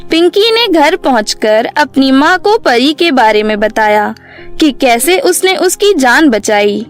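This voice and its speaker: A woman's voice: high-pitched, very animated, slow pace, soft background music. A woman narrating a scripted children's story as the storyteller.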